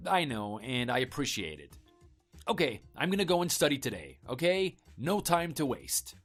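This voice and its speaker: A man performs a smooth-talking husband in a scripted story drama. He is casual, placating and persuasive, with an animated, mid-pitched delivery. Faint music plays behind him. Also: normal speed. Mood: upbeat, persuasive. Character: evasive, smooth-talking husband coaxing his wife.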